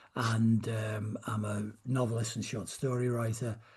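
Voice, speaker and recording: A man speaks in a somewhat breathy voice. His tone is dark and mellow. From Liverpool, England (Wavertree, south Liverpool). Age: 60s. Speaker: screenwriter and novelist. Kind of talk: casual interview chat. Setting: podcast recording.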